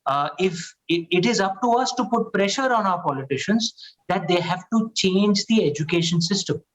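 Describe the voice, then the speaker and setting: A man's voice: high voice, expressive, normal speed, a bit bright, poor audio. A man from Uttar Pradesh with an Indian English accent, arguing earnestly on a panel discussion, with many hesitations and "right?" checks. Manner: earnest, persuasive, frequent "uh" and "right?". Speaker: panel guest.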